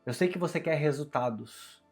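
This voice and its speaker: Brazilian man with strained, sore-throated, higher voice. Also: normal speed, husky, faint music behind. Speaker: tarot reader, channel host. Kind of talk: conversational tarot reading to viewers.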